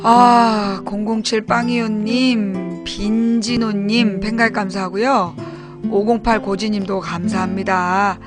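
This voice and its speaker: A woman's voice: medium pitch, steady tone, unhurried. A middle-aged woman hosting a casual live-stream talk show, thanking viewers by name, chatty, with sudden bursts of mock outrage. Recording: music playing behind.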